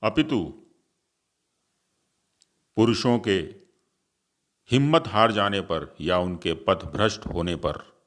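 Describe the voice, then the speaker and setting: A male storyteller who hosts his own channel and reads in a formal, literary style. His voice is very low and his pace unhurried and steady. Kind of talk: scripted story narration.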